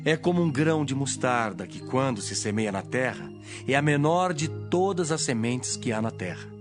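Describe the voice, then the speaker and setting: A man's voice: medium pitch, expressive, moderate pace, close to an everyday voice. Male actor as authoritative holy teacher, solemn, widely varied intonation, audio Bible drama, prominent music. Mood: solemn teaching.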